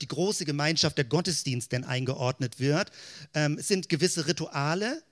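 Higher-voiced man teaching theology. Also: fairly bright tone. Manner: explains step by step in keyword lists; asks rhetorical questions. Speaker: Christian teacher.

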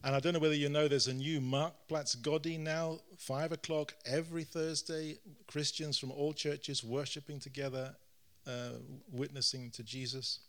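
A middle-aged man from London with a British accent gives an informal church address in short phrases, pausing for an interpreter. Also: a little high, little pitch movement, fairly bright tone. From London, Britain. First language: English. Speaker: guest pastor preaching.

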